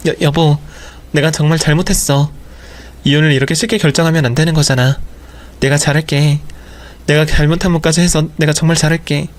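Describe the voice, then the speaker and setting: A man's voice: a little high, fairly even intonation, fairly quick, lightly acted. A man playing a defensive young wife who stammers and pleads with her husband. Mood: pleading. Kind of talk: audio drama storytelling.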